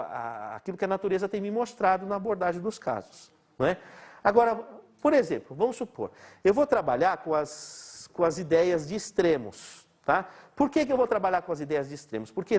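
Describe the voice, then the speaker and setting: A man's voice: fairly high pitch, darkish tone. A middle-aged man from Brazil giving a chatty, informal lecture, laughing often and asking his listeners rhetorical questions. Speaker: doctor lecturing.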